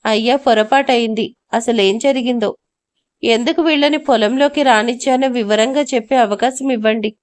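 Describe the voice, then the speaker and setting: A frightened, timid villager, as a woman storyteller puts him on, begging to be heard and anxious to avoid trouble. The voice sits a little high. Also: normal speed, lightly acted. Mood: pleading. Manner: pleading, anxious.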